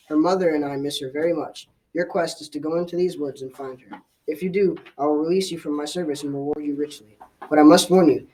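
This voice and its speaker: A stern, commanding Black Knight played by a teenage boy in a school radio drama. He speaks formal, old storybook words in a fairly high male voice, picked up a little away from the mic. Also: darkish tone, recorded from a distance, close to an everyday voice, rough recording. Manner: formal, archaic storybook speech.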